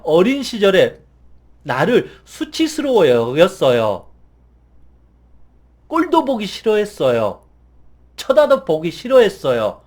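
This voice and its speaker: Male counselor, confessional storyteller, earnest, high-pitched and lively. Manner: earnest, emotional, swings from hushed to intense. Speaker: meditation and hypnosis counselor.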